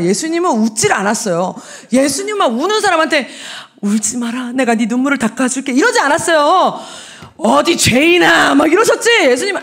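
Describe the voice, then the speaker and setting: High, animated woman evangelist. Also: breathy edge. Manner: animated and humorous, acting out quoted voices. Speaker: evangelist teaching a seminar. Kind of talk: lively seminar talk to Sunday school teachers. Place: church.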